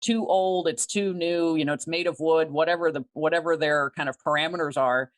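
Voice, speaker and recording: Methodical woman explaining clearly. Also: deep voice, steady tone, brisk. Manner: articulate, methodical, explains step by step. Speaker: guest, private money lender. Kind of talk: interview answers, explanatory.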